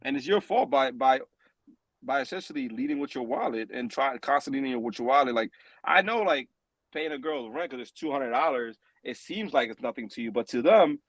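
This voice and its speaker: A man chatting casually as a podcast panelist, telling stories with animated, emphatic delivery. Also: mid-range voice, fairly quick, no room sound, rough recording. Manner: animated, emphatic storytelling with rising exclamations. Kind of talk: casual opinionated chat.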